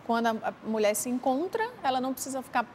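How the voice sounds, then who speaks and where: Brazilian morning show host, woman, gently guiding. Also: high voice, animated, quick pace, background noise. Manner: interviewing, prompting and finishing the guest's sentences. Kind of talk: religious morning TV talk.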